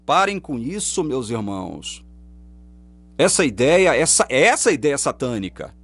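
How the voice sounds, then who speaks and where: Speaking to a webcam or phone pointed at him, this Brazilian Portuguese-accented preacher pours out rhetorical questions in a confrontational sermon. His mid-range voice swings widely in pitch, runs a little slow, and sounds fairly bright yet husky.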